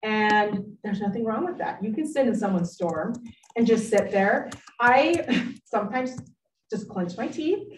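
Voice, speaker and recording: A middle-aged woman giving a live workshop talk to parents, animated and lively, acting out friends she quotes. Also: medium pitch, unhurried, slight background noise. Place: meeting room. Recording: echoey room, distant mic.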